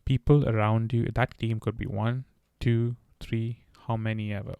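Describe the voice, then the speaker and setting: Earnest and advice-driven, this podcast host talks candidly on his own at a normal speed, with the odd stammer and restart. The delivery is flat, the pitch level, and his warm voice carries a gravelly, fry-edged grain. The audio is intimate and dry, with no room around it and no echo.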